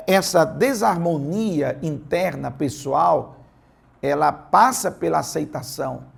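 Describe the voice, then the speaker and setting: A pastor delivers a sermon in church. His fairly high voice is gravelly and husky. He moves from teaching into playful personal stories. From Brazil. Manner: conversational preaching with personal anecdotes, playful.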